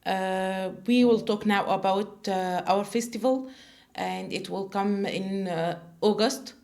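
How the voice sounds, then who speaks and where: Her voice is medium-pitched, darkish and slow. She is a woman in her 20s from Egypt co-hosting a casual podcast chat in a small studio, hesitantly posing questions to guests with many "uh" fillers.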